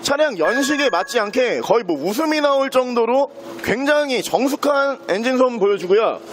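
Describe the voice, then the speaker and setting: A man with a very high-pitched voice and lively intonation pitches a used car at a moderate pace, slight background noise audible. He's the dealer, guiding the walkaround with the fluent spiel of a seasoned salesman.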